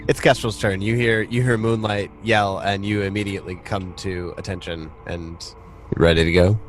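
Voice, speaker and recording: A man's voice: low-pitched, steady tone, normal speed, soft background music. A man narrating a tabletop roleplaying game as game master in a casual, conversational way. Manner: informal, conversational.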